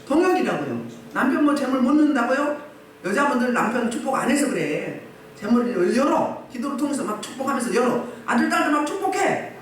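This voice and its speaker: A woman's voice: high-pitched, expressive, fairly quick, a little hiss or hum. A woman pastor preaching a sermon, firing emphatic rhetorical questions at her congregation. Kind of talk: sermon at a healing service. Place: church hall. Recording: very echoey hall, mic at a distance.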